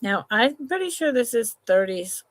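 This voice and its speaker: A woman hosting a live jewelry sale, chatting in an unhurried way, trailing off and restarting her sentences, and calling viewers honey and sweetheart. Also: on the high side, very animated, no room sound. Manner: affectionate to viewers, calls them honey and sweetheart. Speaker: live sale host selling vintage jewelry. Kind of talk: slow, relaxed live-stream sales chat.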